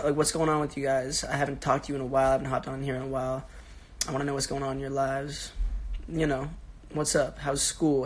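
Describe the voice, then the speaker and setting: A raspy, sick-sounding young man in his twenties, pitched on the high side, chats casually on a phone livestream from his bedroom at home. He's a social media personality, laid-back and rambling, using slang as he reads comments and answers fans.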